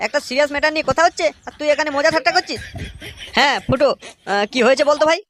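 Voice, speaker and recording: A woman's voice: high-pitched, racing, fairly bright tone, slight background noise. Bossy, swaggering cartoon big brother voiced by a woman. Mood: scolding. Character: bossy, boastful older neighbourhood pal, a man. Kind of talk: comedy cartoon dialogue.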